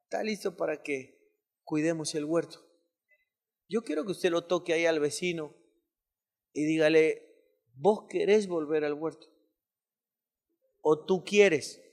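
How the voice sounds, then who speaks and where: A man preaching a sermon, calling on the congregation to repeat his words and reading scripture quickly. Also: a little high. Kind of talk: call-and-response sermon.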